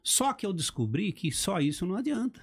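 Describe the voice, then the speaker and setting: A middle-aged man chats about public speaking on a podcast. His voice swoops up and down as he acts out examples, and it has a slightly husky edge. He sounds emphatic and animated. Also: sits high, a little fast. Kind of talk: casual podcast chat.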